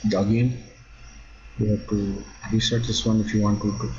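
Man, fairly low voice, halting tutorial talk, repeats okay, dull lo-fi computer mic. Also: level tone. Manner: halting, repeats "okay" often, non-native phrasing. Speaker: drafting instructor. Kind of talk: screen-recorded software tutorial. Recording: dull lo-fi sound.

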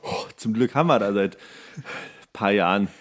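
Lowish-voiced man, dryly joking. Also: animated, normal speed. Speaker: podcast co-host. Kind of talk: casual comedic podcast chat.

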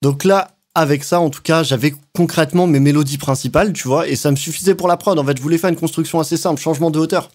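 A man giving a relaxed, slangy walkthrough of how he built a beat, now and then mouthing sounds and rhythms. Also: fairly high pitch, fast talker, few pauses, faint music behind. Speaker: music producer. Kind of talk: casual beatmaking walkthrough. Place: home studio.

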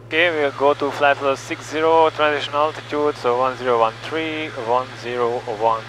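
A young man flying a small plane, narrating and reading back radio calls in a calm, methodical way over a headset mic in the cockpit. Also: medium pitch, normal speed, low-quality recording. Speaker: private pilot. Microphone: headset boom mic. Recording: engine noise through headset intercom.

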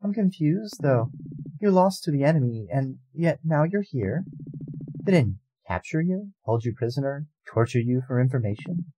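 A man's voice: medium pitch, lively intonation, normal speed, warm tone, breathy edge, no room sound, pitched above the performer's own voice, low-quality recording. Man voicing a courteous ancient goddess. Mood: composed. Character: ancient weary female goddess, polite and composed. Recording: music bed underneath.

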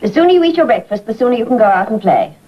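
An actress playing a mild, coaxing middle-aged mother with a breathy voice, in 1940s British film style. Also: on the high side, sing-song, racing, slight background noise. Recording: muffled 1940s film soundtrack.

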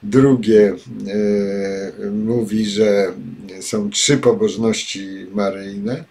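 An older man giving spoken commentary and reading passages aloud, pausing often with filler sounds, recorded at a desk webcam in a home study. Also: fairly low pitch, fairly even intonation, dark tone, breathy edge. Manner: halting, many filler sounds. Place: home study with bookshelves, indoors.

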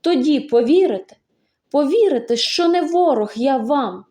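A woman voicing a desperate young male student who pleads loudly and insistently, in an audiobook reading. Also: sits high, lively intonation, moderate pace, voice pushed up.

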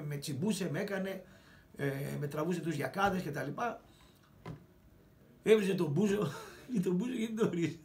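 A man's voice: sits high, a little hiss or hum. Foul-mouthed older man ranting a story. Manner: coarse, swearing, acts out quarrels in sharp bursts. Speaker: show host telling a personal story. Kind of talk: angry storytelling monologue.

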